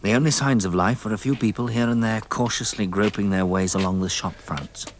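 An actor playing a level-headed, kindly man with an English accent in a 1960s radio drama, brisk, articulate and reassuring. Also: on the low side, steady tone, lightly acted. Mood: grave, narrating. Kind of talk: 1960s British radio drama acting and narration. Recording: old radio recording, faint noise.

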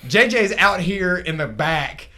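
A man with a somewhat high voice tells stories from the cage in a loose, rambling way, full of fillers and restarts. His tone is casual podcast chat. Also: expressive, measured pace, sharp tone. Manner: rambling, filler-heavy storytelling. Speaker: MMA fighter.

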